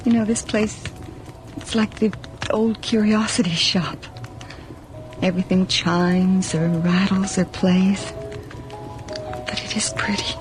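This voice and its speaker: A woman's voice: medium pitch, fairly even intonation, slow, long pauses, music in the background, natural voice. An actress playing an uneasy, kind young woman in a radio drama, with a hesitant manner. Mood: hesitant, soft. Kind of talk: naturalistic radio drama acting. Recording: noisy old radio drama recording.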